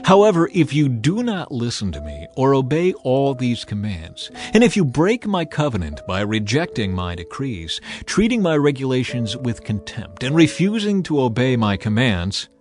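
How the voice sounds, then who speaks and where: A man playing a stern, authoritative God in a dramatized scripture reading, speaking in a solemn, commanding, deliberate way. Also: mid-range voice, very animated, a little mellow, soft background music, close to an everyday voice. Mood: stern, threatening. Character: God of the Bible, stern, authoritative male lawgiver.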